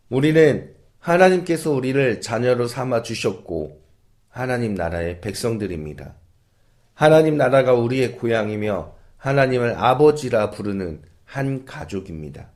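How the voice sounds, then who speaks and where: Earnest Korean pastor preaching. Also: male voice. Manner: earnest, measured preaching, sentences trailing off softer and lower. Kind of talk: early-morning sermon and closing prayer. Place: church.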